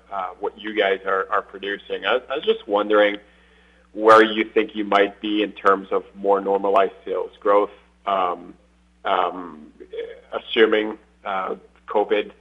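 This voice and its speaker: A man speaking as a financial analyst putting questions on an earnings call, tentative and repeating his words. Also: fairly low pitch. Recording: tinny phone-line call.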